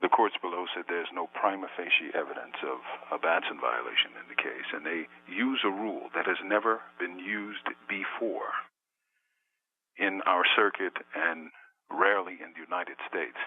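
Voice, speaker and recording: Deep gravelly man on a prison phone. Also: slight background noise. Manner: measured, halting with frequent pauses. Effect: speaking over a prison phone line. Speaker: interviewee. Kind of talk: phone interview. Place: prison cell on death row. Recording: tinny prison phone line.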